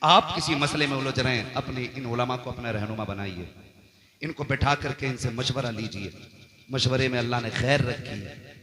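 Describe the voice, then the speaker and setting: A man's voice: mid-range voice, moderate pace, sharp tone. A man, a Muslim cleric, preaching and exhorting, often checking that his listeners agree. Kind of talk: sermon addressed to a congregation. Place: large religious gathering, on microphone. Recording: echoey PA hall, crowd behind.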